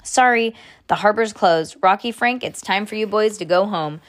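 A woman's voice: medium pitch, normal speed, lightly acted. A woman reading a storybook as an exasperated father, firm and scolding with his children. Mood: stern.

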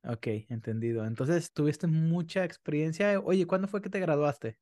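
A man's voice: fairly high pitch, moderate pace, dark tone. Chatty man hosting a podcast. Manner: chatty and friendly, rambling questions. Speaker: podcast host. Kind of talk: casual interview.

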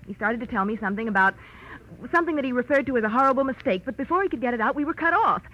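An actress playing a self-assured but panicky rich young client in 1940s radio style, urgent and insistent. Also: female voice, on the high side, lively intonation, very fast, close to an everyday voice. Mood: anxious, hurried. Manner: urgent, insistent, breaking into stammers. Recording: dull old radio recording, faint noise.

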